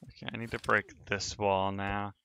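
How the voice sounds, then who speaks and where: A man's voice: fairly low pitch, level tone, normal speed, bright, forceful tone, a little hiss or hum. A man streaming a sandbox building game, thinking aloud in casual commentary as he narrates each step of his work.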